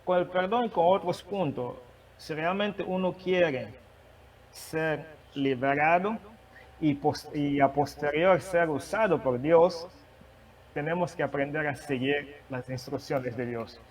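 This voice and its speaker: A man who is not a native Spanish speaker, preaching and sharing a testimony, with a halting manner and many restarts. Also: on the high side, distant mic. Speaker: guest preacher. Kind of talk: sermon testimony.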